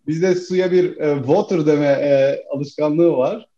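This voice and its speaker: A man's voice: a little high, fairly even intonation, slow pace, dark tone. A man from Turkey chatting casually with friends, laughing often and calling them "abi". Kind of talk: casual chat. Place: living in the United States. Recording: dull roomy home recording.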